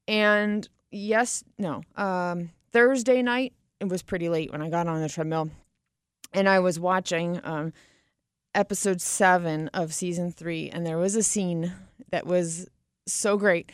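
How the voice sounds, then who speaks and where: A woman's voice: lowish voice, clean tone, dry recording, clean studio sound. A woman radio host and financial advisor talking in a chatty, casual way, laughing easily.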